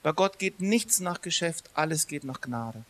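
Lively, conversational male preacher. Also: on the high side, unhurried, slight background noise. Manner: lively, conversational, swings between loud emphasis and quiet asides. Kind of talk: sermon.

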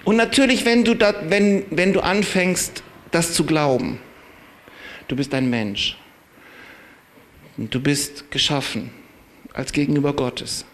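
A man preaching a sermon in a conversational, emphatic way. He chuckles at his own points, stretches key words out slowly and drops into quiet asides. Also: fairly high pitch.

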